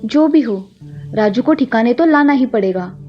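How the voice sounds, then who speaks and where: A woman's voice: fairly high pitch, expressive, normal speed, dull audio, faint music behind, natural voice. A woman voicing a hardworking, worried village mother in a cartoon, speaking earnestly. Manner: earnest and pleading.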